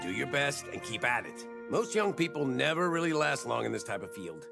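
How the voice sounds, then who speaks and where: An actress voicing a middle-aged, picky, eccentric sound effects artist in an anime dub, talking in a bossy, playful way. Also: female voice, a bass voice, big pitch swings, brisk, creaky, exaggerated voice. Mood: easygoing. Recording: music playing under the voice.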